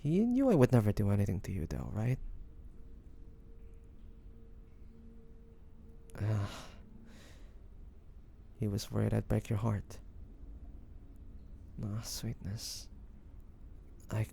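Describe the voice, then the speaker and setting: A man playing a devoted young lover in an intimate romantic fantasy audio roleplay, speaking softly and haltingly with great affection. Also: fairly low pitch, big pitch swings, gravelly, a little hiss or hum, full character voice. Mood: happy, teasing, then tender, earnest. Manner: soft, hesitant, affectionate, halting phrases.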